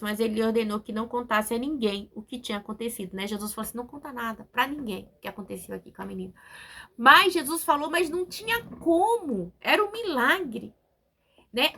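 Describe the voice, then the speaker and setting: A woman's voice: sits high, bright, forceful tone. A woman preacher giving a sermon, emphatic and repetitive, often asking her listeners to agree. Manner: emphatic, repetitive, with frequent tag questions.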